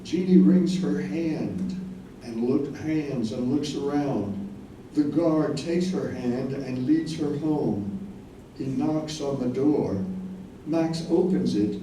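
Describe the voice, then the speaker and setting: A man's voice: medium pitch, slow pace, mellow, lightly acted. A man narrating the action in a staged play reading. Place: live staged reading in echoey room. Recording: very echoey room, distant, faint noise.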